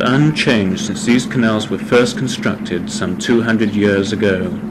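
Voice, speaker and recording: A man talks at a moderate pace, and background noise is noticeable. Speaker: documentary narrator. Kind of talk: documentary narration. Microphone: old recording.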